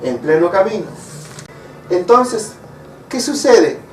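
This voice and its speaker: A man with a high voice preaches a very animated sermon at a slow pace, posing rhetorical questions to the congregation and acting out short quoted lines. Faint music plays behind him, and the distant mic picks up an echoey room.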